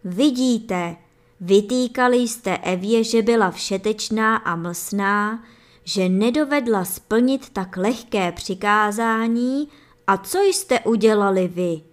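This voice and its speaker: A woman's voice: medium pitch, natural voice. A woman reading aloud voices a stern rich lord who passes judgment in a storybook tale. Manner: stern, measured pronouncements.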